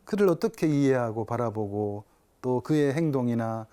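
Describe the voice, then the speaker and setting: Lively Catholic priest giving a talk. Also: male voice, medium pitch, normal speed, clean tone. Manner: storytelling with rhetorical questions to listeners. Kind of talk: televised spiritual talk.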